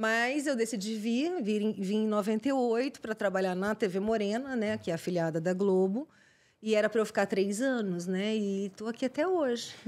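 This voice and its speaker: A woman's unremarkable speaking voice, fairly high in pitch, at a moderate pace with ordinary pitch variation and very even loudness. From Espírito Santo, Brazil (Cachoeiro de Itapemirim); Espírito Santo. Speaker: environmental journalist and TV reporter; podcast guest, journalist. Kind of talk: podcast interview. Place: studio. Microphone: studio mic.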